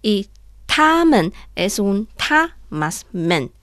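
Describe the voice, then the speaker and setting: Slow-spoken woman. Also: medium pitch, sing-song, a bit bright, no echo, studio quality. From China. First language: Chinese. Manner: slow, careful, drilling pronunciation. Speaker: language teacher and co-host. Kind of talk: radio language lesson.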